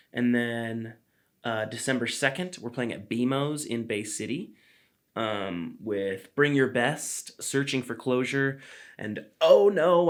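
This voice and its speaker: A male podcast host who talks loosely and rambles through his sentences. His voice sits at an everyday middle pitch. He drops casual curse words and plenty of "um"s along the way. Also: fairly bright tone. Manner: rambling, filler-heavy, swears casually.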